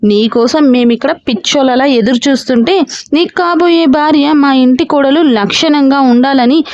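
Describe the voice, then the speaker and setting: Casting: a woman playing a furious middle-aged mother, high voice, scolding, dry dull recording. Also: dry recording. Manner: raised, scolding, emotional.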